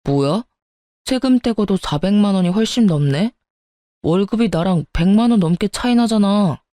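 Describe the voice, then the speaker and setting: A woman's voice: medium pitch, expressive, moderate pace, dark tone, dry recording, natural voice. A woman voicing a greedy, demanding young husband who talks in a petulant, accusing way. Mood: whiny.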